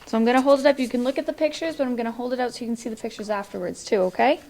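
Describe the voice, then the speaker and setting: A woman's voice: fairly high pitch, very fast, a little mellow, slight background noise. A young woman reading a story aloud to children in a library. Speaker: volunteer storybook reader. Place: public library, indoors.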